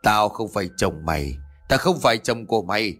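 A man voicing a vengeful young female ghost speaking through a dead man's body, slow, low and menacing, in a storybook horror tale. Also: animated, fairly bright tone, soft background music. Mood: snarling.

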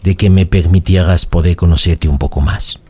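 A man's voice: low-pitched, breathy edge. A man playing a flowery, courtly French suitor in his forties on a prank call. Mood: romantic. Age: 40s. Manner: flowery, courtly, slow romantic flattery. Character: smooth-talking French suitor man, middle-aged.

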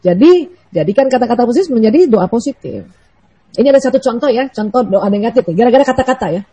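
A woman giving a lively, playful religious lecture to mothers, often asking the audience questions. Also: a little high, fast, husky, poor audio. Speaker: Islamic lecturer.

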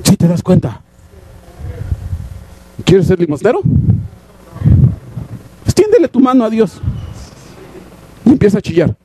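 A male preacher giving an impassioned sermon, full of rhetorical questions and sudden shouts. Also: sits high, huge pitch swings, unhurried, long pauses, husky.

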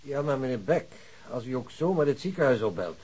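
An actor playing a self-assured hospital doctor in a Dutch radio drama, explaining things in a measured, pedantic way. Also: male voice, mid-range voice, big pitch swings, a little mellow, lightly acted. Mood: mildly irritated.

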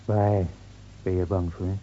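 A man's voice: sits low, level tone, slow pace, a little hiss or hum. An actor playing a scornful, officious city-bred policeman in a Dutch radio drama, lecturing and brusque. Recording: muffled old radio recording.

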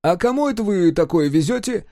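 A man voicing an excitable, curious peasant woodcarver in a storybook, talking loudly in a raised voice. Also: brisk, dry recording, studio quality. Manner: loud, excited, high-pitched.

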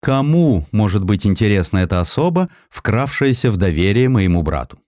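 A man's voice: lowish voice, sing-song, moderate pace, darkish tone, no echo, studio quality. A man voicing a haughty, spiteful society lady with a condescending, icily polite manner in a dramatized audiobook. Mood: spiteful, imperious. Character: haughty, cutting society lady, spiteful sister of a dead poet.

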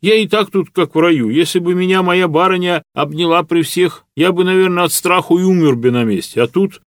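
A man's voice: high-pitched, brisk, no echo, studio quality, voice pushed up, close to an everyday voice. A man voicing a simple-hearted young serf who speaks in a pleading, old-fashioned peasant way. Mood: imploring. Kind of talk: audiobook character voice.

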